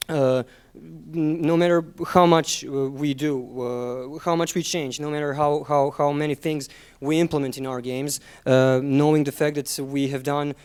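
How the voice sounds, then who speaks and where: A young man with a Serbian accent gives a conference presentation, speaking haltingly with frequent ums and repeated words. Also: medium pitch, darkish tone, clear, resonant tone. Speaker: conference speaker, junior game designer.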